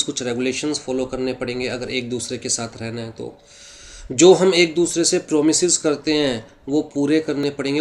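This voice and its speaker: A man with a fairly high voice teaches a law lesson, reading English passages slowly in an Indian English accent. He then explains each point in a mix of Hindi and English, asking questions and answering them himself. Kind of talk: classroom lecture.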